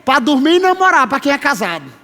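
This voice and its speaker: A man in his thirties preaching a sermon as pastor, emphatic, slowing down to stress his words and calling listeners brother. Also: very high voice, sing-song, pushed and bright. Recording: long reverb of a large hall.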